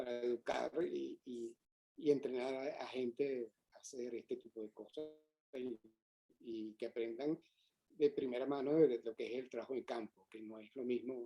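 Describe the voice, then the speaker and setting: With a dark, mellow tone, a man speaks at a moderate pace in a dry, close sound with no echo. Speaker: ornithologist. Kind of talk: lecture Q&A.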